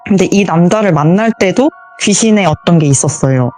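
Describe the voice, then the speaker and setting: A woman's voice: fairly low pitch, animated, a little fast, warm tone, faint music behind. A woman telling her own true ghost story as a guest, vividly acting out the voices in it.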